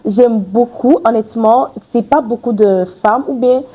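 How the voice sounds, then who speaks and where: A woman's voice: a little high, a little slow, mellow. A young woman hosting an interview, enthusiastic and affirming, chatty with her guest. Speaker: host. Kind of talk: casual interview talk.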